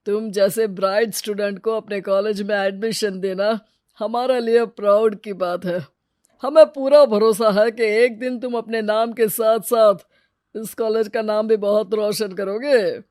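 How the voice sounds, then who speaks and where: A woman's voice: medium pitch, steady tone, a little slow, dry recording, studio quality, close to an everyday voice. A woman voicing a male college principal in a cartoon story, praising a student. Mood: proud. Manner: warm, praising.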